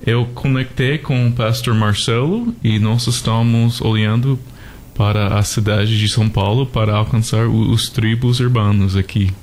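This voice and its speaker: A man from North America, a native English speaker with an American accent, answering haltingly as an interview guest. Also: on the low side, fairly even intonation, darkish tone, a little hiss or hum. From North America, United States. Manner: halting, searching for words. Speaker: guest, missionary.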